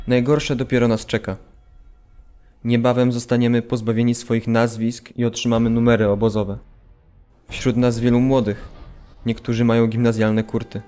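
A man's voice: medium pitch, flat delivery, normal speed, mellow, soft background music, natural voice. A man acting a grave former prisoner, reading his memories solemnly and with restraint in an audio drama. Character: grave male former prisoner remembering deportation. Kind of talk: dramatised documentary memoir reading.

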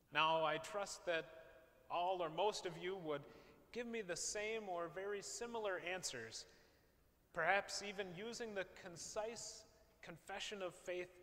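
A male pastor, preaching from a pulpit in a large church, measured and posing rhetorical questions. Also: high voice, a bit bright. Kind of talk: sermon. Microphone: far camera, pulpit mic. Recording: long church reverb, faint hiss.

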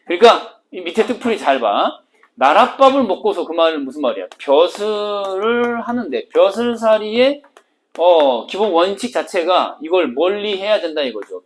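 A woman teacher giving an exam-prep literature lecture, animated and teasing, switching between polite and casual speech. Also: low voice, slight background noise.

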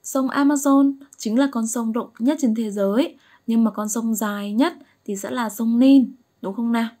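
A woman teaching an English lesson, explaining slowly and patiently and often checking that her pupils follow along. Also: a little high, mellow. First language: Vietnamese. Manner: patient, keeps asking "right?" to check understanding.

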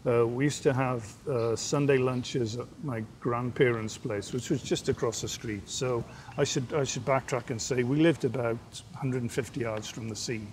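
A man's voice: mid-range voice, normal speed, few pauses, a little hiss or hum. An older man from Wales speaks in an easy, articulate way, recorded outdoors on a lapel mic. Faint outdoor ambience sits under his voice. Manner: articulate, relaxed storytelling. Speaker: aquarium director. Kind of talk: TV interview. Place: outdoors at a seaside aquarium.

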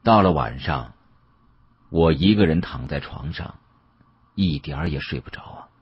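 A man's voice: extremely low pitch, expressive, a little slow, slightly rough, no room sound. A man narrating a novel in the first person as an audiobook, in a dramatic, colloquial storytelling style. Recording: muffled, dull lo-fi audio.

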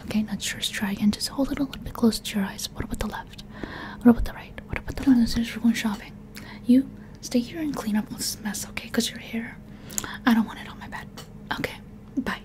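A woman's voice: on the high side, brisk. A woman in her twenties whispering a chatty, playful ASMR roleplay up close to the microphone. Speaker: ASMR video creator.

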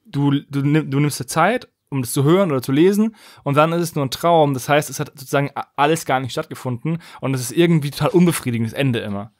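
A man co-hosting a podcast in casual review chat, opinionated and quick to argue a point. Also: on the high side, no echo, clean studio sound. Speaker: podcast host. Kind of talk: casual review chat about audio dramas.

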